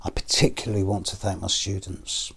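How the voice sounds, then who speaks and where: A middle-aged British man with a hoarse, deep voice and a cough, talking slowly to his viewers in a personal video with pauses and fillers. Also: little pitch movement, fairly bright tone. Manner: slow, measured, with pauses and fillers. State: hoarse and coughing after illness. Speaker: astrologer.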